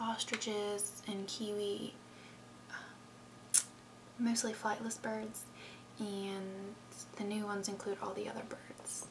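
A soft-spoken woman talks at a very slow pace in a gentle tone, with monotone, flat intonation. Long, frequent pauses come through over noticeable background noise. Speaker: educator. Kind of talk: lecture. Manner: soft-spoken, gentle low-volume ASMR voice. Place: home room. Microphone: webcam.

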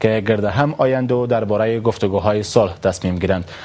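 Using a normal speaking voice, a man talks at a fairly quick pace with ordinary pitch variation. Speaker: news anchor. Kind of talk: TV news broadcast reading.

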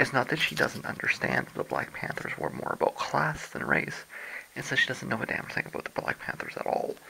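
Noticeable background noise sits under a man who speaks fairly quickly. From Canada. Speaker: vlogger. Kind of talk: casual vlog monologue. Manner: halting, many fillers.

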